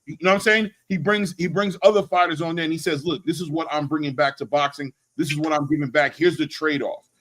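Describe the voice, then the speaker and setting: Higher-voiced man talking boxing, emphatic. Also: fairly even intonation, fast talker, hardly any pauses, a bit bright. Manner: emphatic, repeats words for emphasis, slangy. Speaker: host of a boxing channel. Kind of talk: animated casual sports talk and opinion.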